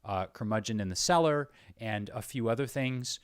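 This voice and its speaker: A man's voice: medium pitch, normal speed, clear, resonant tone, no echo, studio quality. A man hosting a casual interview, speaking earnestly and full of appreciation. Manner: earnest, effusive praise of guest. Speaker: show host.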